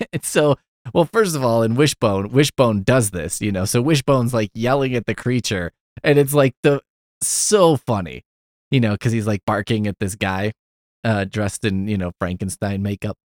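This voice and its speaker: A middle-aged podcast host retells a story in casual chat, rambling and sarcastic, swearing plenty and piling on fillers and asides. His voice is lowish and moderately paced. The recording is dry, clean studio sound.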